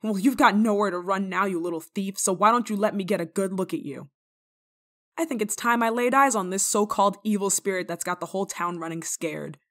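A woman playing a stern but kind-hearted village nun in a dramatic roleplay monologue, scolding and teasing with theatrical pauses. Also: medium pitch, fairly bright tone, natural voice. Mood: indignant, scolding.

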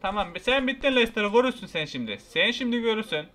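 A young man giving excitable, frustrated gameplay commentary, shouting at the characters on screen. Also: sits high, brisk. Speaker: gaming YouTuber.

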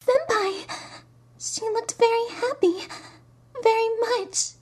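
A woman voicing a timid, gentle schoolgirl in an anime fan dub, hesitant and apologetic. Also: very high-pitched, takes it slowly. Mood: shy, nervous. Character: timid gentle teenage schoolgirl, hurt but self-effacing.

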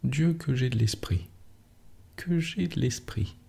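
A man softly voicing a proud, mischievous little girl in a storybook reading. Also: medium pitch, animated, slow, vocal fry, husky, pitched above the performer's own voice, exaggerated voice. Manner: softly read, hushed.

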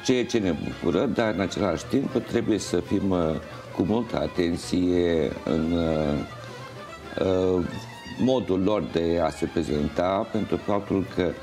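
Very deep-voiced older man, mellow. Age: older, around 60s. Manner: halting, measured, pausing mid-phrase. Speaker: interview guest, folk festival organizer and juror. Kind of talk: studio interview, explaining. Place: indoor TV studio. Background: music playing.

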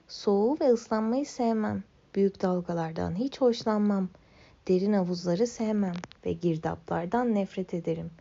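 A young woman reading a children's story in the first person as a small lonely monster, in a gentle, wistful tone. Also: mid-range voice, lo-fi sound.

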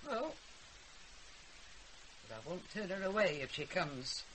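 A mischievous old grandmother from a British radio play, with a Northern English accent. She is earthy, blunt and wry, and her pitch roams freely. The recording has a clear hiss behind her. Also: sing-song, measured pace, fairly bright tone. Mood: wry, dismissive. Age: older. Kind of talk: British radio drama acting. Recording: hissy, noisy radio drama recording.

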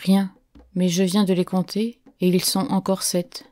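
A woman's voice: lowish voice, little pitch movement, measured pace, dark tone, natural voice. A woman voicing an anxious, insistent man on a frozen wilderness trail in an audiobook. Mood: uneasy.

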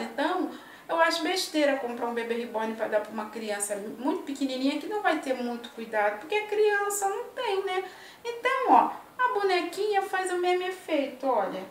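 A woman's voice: high voice, a little hiss or hum. A woman in her fifties chatting to camera in her home kitchen, affectionate and talkative, often tagging her sentences with little check-ins to the viewer. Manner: chatty, affectionate, tags lines with "né" and "ó". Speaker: vlogger. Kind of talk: casual chat to camera. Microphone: laptop or webcam at arm's length. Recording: echoey tiled kitchen, mic at a distance.

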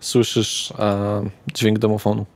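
Measured male game master, subdued narration. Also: lowish voice, monotone. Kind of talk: narrating a tabletop role-playing game.

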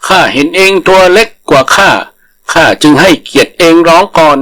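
A big, proud, gullible elephant from a folktale, played by a male storyteller. The voice sits fairly high and speaks in an earnest way. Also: fairly quick, a bit bright, natural voice. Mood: mocking.

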